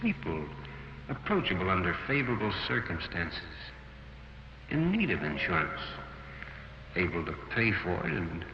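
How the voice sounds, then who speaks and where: A man's voice: low-pitched, very animated, moderate pace, pauses often. A man speaking formally in a 1940s sales training film. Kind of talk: 1940s film dialogue, reciting. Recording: echoey, noisy, lo-fi 1940s film sound.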